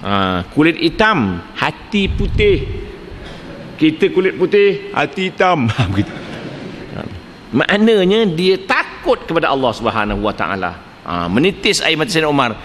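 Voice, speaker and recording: An older man with a Malaysian Malay accent preaches a lecture, telling stories with an animated rise and fall in his voice. He acts out the dialogue as he goes. The sound carries a long hall reverb with a faint hum of ambience underneath. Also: fairly high pitch, normal speed. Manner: lively storytelling, acts out dialogue, chuckles at own jokes. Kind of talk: religious lecture with anecdotes.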